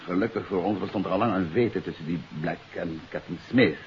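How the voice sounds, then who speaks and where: An actor playing a confident detective who explains a case in an assured, emphatic way, in 1950s radio drama style. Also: male voice, low voice, a little fast, natural voice. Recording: dull, hissy 1950s radio recording.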